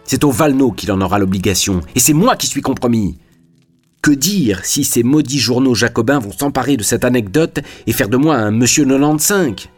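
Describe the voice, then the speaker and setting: A man's voice: medium pitch, animated, measured pace, hardly any pauses, a little mellow, faint music behind, voice pushed up. A man voicing a fretful, indignant small-town mayor. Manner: indignant outburst. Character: angry, worried small-town male mayor.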